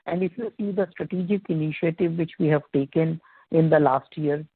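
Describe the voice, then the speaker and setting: Indian guy exec explaining stuff on a phone conference, rough husky voice, narrow phone sound. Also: a little high, brisk. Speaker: company executive answering investor questions. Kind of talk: business conference call answers. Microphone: phone conference call. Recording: tinny phone line, echoey room.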